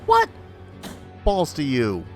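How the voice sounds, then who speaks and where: This let's play host speaks slowly in a fairly high, slightly mellow voice with huge pitch swings. With game music behind him, he comments casually, mutters asides, swears a little and occasionally reads on-screen text aloud.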